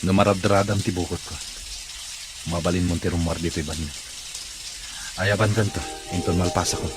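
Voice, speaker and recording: A Filipino man acting a bitter, discouraged man in a wheelchair in a radio drama, gloomy and husky. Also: low-pitched, steady tone, normal speed, music in the background, close to an everyday voice, poor audio. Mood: bitter, resigned. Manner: gloomy, reluctant.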